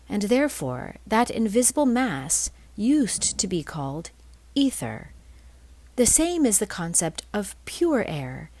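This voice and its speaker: A woman reading a spiritual text aloud as scripted narration, in measured phrases with deliberate pauses. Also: mid-range voice, darkish tone, no room sound. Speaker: reader of a spiritual blog.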